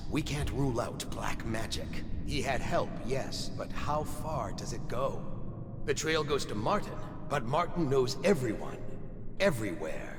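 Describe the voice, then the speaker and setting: With music under a long reverb, a grave man of a militant religious order. His mid-pitched voice moves animatedly in a dramatic video game style. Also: very animated, unhurried. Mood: brooding, suspicious.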